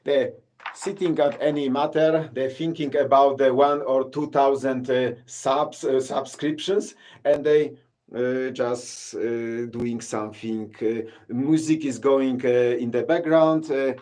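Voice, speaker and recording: A Polish tour guide talking casually to his live-stream viewers in accented, halting English full of fillers and restarts. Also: mid-range voice, fairly even intonation, a little mellow. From Poland. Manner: halting, many fillers and restarts, non-native grammar. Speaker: city tour guide and vlogger.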